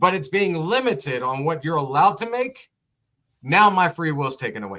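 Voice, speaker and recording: A loud man at a high pitch, with very wide pitch swings and a moderate pace. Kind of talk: casual chat.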